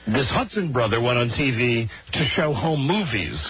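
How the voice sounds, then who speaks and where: A man's voice: medium pitch, sing-song, moderate pace, fairly bright tone, husky, no room sound, low-quality recording. A man hosting a radio talk show, telling stories in a casual, gossipy, mocking way.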